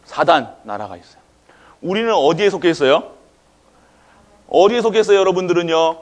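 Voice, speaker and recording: A man's voice: on the high side, lively intonation, brisk. A male pastor preaching a sermon in a church, often quizzing the congregation and waiting for their answers. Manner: quizzes the congregation with call-and-response questions.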